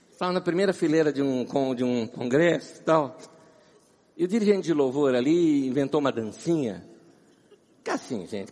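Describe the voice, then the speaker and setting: A man with a Brazilian accent preaching a humorous sermon as a guest preacher, telling animated stories with a husky voice and sweating as he talks. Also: a little high. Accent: Brazilian Portuguese. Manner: animated, laughing storyteller. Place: large round church. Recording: long church hall reverb.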